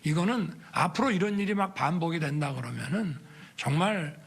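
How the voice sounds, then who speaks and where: High, husky man making formal remarks. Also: animated. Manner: measured, deliberate, formal phrasing.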